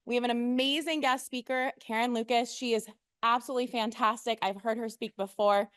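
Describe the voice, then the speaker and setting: A woman's voice: a little high, steady tone, brisk, fairly bright tone, clear, resonant tone, no room sound, clean studio sound. A woman giving informal announcements to a group as a district officer, upbeat and encouraging.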